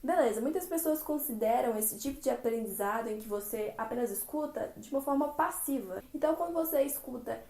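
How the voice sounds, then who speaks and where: A woman's voice: on the high side, a little fast, vocal fry, hardly any pauses. Chatty Brazilian woman, echoey room. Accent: Brazilian Portuguese. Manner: chatty and expressive, acts out little dialogues. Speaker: language-learning vlogger. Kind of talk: casual tutorial vlog.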